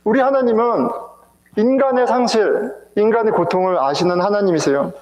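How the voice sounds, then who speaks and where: Emotional preacher guy, high voice, big echoey church. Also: normal speed, darkish tone. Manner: emotional, rhetorical, addresses the congregation. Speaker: pastor. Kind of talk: sermon. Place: church sanctuary.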